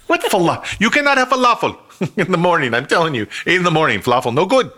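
A man playing an excitable, fussy falafel seller in an exaggerated put-on foreign accent. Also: high-pitched, quick pace, pitched above the performer's own voice, heavily acted. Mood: indignant.

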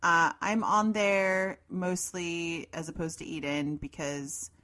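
A middle-aged woman with a deep, lowish voice co-hosts a podcast. She talks slowly and casually, with a dry, understated way of chiming in. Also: level tone, pushed and bright. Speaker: podcast co-host. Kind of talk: casual banter.

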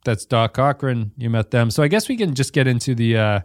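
A man's voice: mid-range voice, expressive, brisk, no echo, clean studio sound. A man hosting a casual podcast, explaining plot points at length with frequent restarts. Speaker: podcast host. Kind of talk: casual chat.

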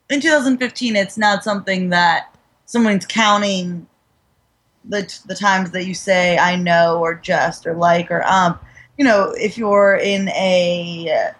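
A woman co-hosting a podcast, giving practical communication advice in a matter-of-fact, conversational manner. Her voice sits at an ordinary middle pitch. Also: fairly bright tone. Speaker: podcast co-host. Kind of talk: casual conversational talk.

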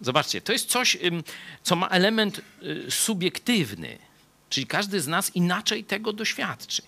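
This pastor's voice sits high and sounds gravelly, at a moderate pace. His Bible study sermon is conversational and lively, frequently punctuated by a questioning "nie?" and shifting between gentle asides and stronger emphasis.

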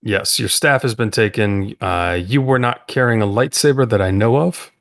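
A man narrating a tabletop role-playing session as game master, unhurried and full of filler sounds. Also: on the low side, vocal fry, a bit bright.

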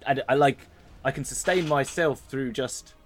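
A man's voice: mid-range voice, normal speed, faint music behind. A man narrating as game master, rambling and playful and often laughing.

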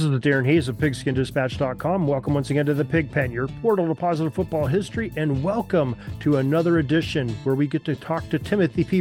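A man's voice: on the high side, darkish tone. A man hosting a football history podcast, upbeat and folksy, fond of puns as he interviews a guest. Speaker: podcast host. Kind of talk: casual interview chat.

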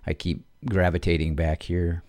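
Joking low-voiced male podcast host. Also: little pitch movement, normal speed, darkish tone, no echo. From Pacific Northwest, USA. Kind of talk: casual interview.

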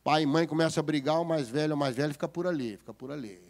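High-voiced Brazilian pastor, joking sermon. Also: male voice, fast talker. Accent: Brazilian Portuguese. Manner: lively, joking, asks the congregation for agreement. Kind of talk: humorous sermon.

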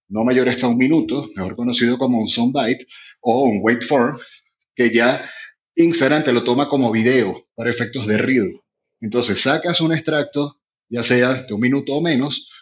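A Venezuelan man, a radio broadcaster and podcaster, explains his ideas eagerly and at length in an online panel. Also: medium pitch. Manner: enthusiastic, long winding explanations. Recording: muffled lo-fi audio.

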